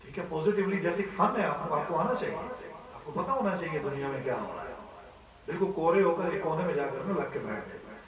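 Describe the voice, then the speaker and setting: A man's voice: a little high, expressive, heavy reverb, far from the mic, a crowd in the background, low-quality recording. A man teaching a class on Quran recitation, explaining step by step and often checking that his students follow. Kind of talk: classroom voice lesson.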